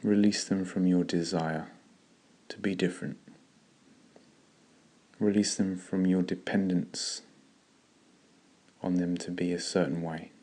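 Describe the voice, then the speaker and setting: A man leading a guided meditation in a slow, calm, gentle way with long pauses. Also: deep voice.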